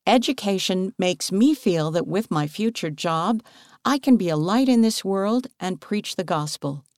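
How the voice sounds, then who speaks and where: A woman reading a magazine article aloud as scripted narration, earnest and measured. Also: mid-range voice, lively intonation, darkish tone, no room sound, studio quality.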